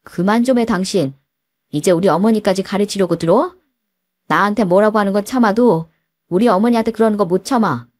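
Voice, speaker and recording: A woman's voice: mid-range voice, brisk, a little mellow, dry recording, studio quality, close to an everyday voice. A woman voicing a childish, irritable husband who snaps back. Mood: angry. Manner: irritable, petulant. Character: childish, petulant grown husband.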